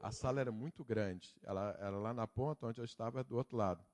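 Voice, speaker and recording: A middle-aged man preaching a sermon, telling a personal story and acting out the dialogue before building to loud preaching. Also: mid-range voice, fast. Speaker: pastor.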